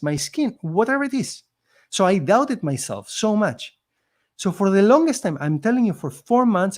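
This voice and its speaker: A man's voice: high-pitched, a little mellow. A man with a non-native accent, a podcast guest telling his story in an earnest, emphatic, motivational way. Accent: non-native accent in English. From immigrant living in Canada. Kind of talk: conversational storytelling.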